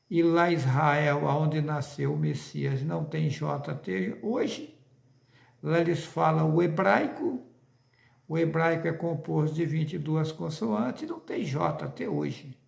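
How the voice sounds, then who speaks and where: A man's voice: fairly high pitch, gravelly, echoey room. A man with a Brazilian accent preaching an insistent religious monologue to viewers, full of rhetorical questions.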